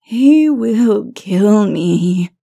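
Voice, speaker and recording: A woman voicing a tormented demon princess in a storybook, with anguished, pleading, drawn-out words. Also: medium pitch, lively intonation, gravelly, mellow, full character voice. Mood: moaning dread. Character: vampiric demon princess, moaning and screaming in torment.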